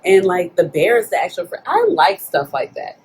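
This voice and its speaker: A woman hosts a relaxed makeup chat, chatty and full of playful asides. Her voice sits a little low, and a faint background hiss runs under it. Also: normal speed. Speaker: beauty channel host. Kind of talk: casual chat about makeup and fragrance.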